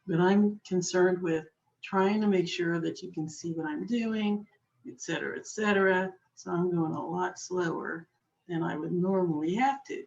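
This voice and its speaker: A woman slowly demonstrating a jewelry-making technique on camera, a little hoarse, chatting patiently as she works with her hands. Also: lowish voice, fairly even intonation, a little mellow, highs cut off. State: slightly hoarse. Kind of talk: slow step-by-step craft demonstration.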